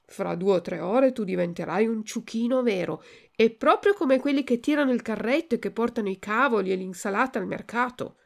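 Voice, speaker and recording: A woman voicing a kind, wise little female marmot in a storybook, speaking gently and gravely. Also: a little high, a little fast.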